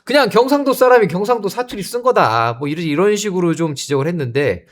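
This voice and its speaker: Lively, high-voiced male talk show host. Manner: lively, teasing, quick interjections. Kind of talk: political talk show moderation.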